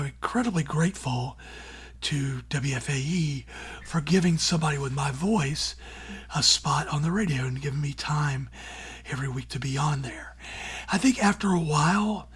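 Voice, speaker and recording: A middle-aged man who hosts a radio show, answering interview questions in a breathy, raspy, near-whispered voice, earnest and plainspoken with casual fillers. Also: on the high side, fairly bright tone. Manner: earnest and plainspoken, with many "you know" and "like" fillers. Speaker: radio show host and former newspaper columnist.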